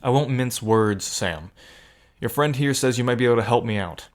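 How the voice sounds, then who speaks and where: A man's voice: medium pitch, moderate pace, close to an everyday voice. A man playing an earnest, desperate bartender bluffing as a gambler, in naturalistic audio drama style. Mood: guarded, bluffing.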